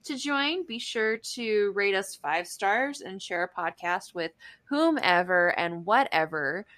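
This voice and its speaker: A woman chats casually as a podcast co-host. Her voice sits at a middle pitch with a bright, crisp edge. She talks in an informal, playful way. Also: animated, slow pace.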